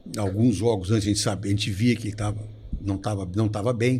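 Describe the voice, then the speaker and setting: A man's somewhat breathy voice with a dark, mellow tone and audible room echo. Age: 70s. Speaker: former football referee and TV commentator. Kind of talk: casual interview chat.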